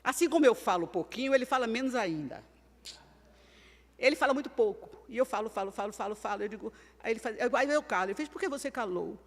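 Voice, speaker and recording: An older woman preaching a sermon, telling homely stories in a chatty way and swinging between loud and quiet. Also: a little high, expressive, quick pace, in a large hall. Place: church.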